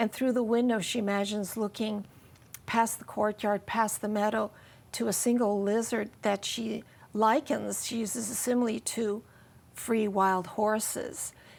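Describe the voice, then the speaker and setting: A woman speaks at a moderate pace and a fairly high pitch, keeping her intonation fairly even. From US, Ukrainian-American family. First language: Ukrainian. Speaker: poet and translator. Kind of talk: interview. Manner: halting.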